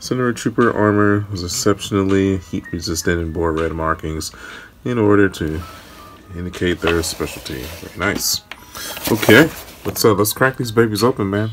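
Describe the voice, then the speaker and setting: Over noticeable background noise, a man talks at a moderate pace. His pitch is fairly low, with ordinary pitch variation. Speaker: toy collector reviewer. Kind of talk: casual review commentary. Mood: enthusiastic, relaxed. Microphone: phone near.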